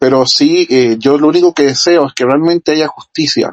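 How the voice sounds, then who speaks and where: Recorded with a dry, close sound and no echo, a man with a fairly high pitch speaks at a moderate pace. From Nicaragua. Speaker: panelist, Nicaraguan exile. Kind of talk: panel discussion, personal testimony.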